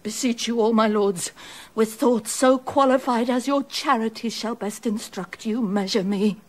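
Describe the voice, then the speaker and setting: Brief: a wronged queen in a verse radio play, husky, slow and measured. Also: a little high, a little mellow. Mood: dignified. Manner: slow, measured, composed grief. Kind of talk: classic stage verse drama, radio play.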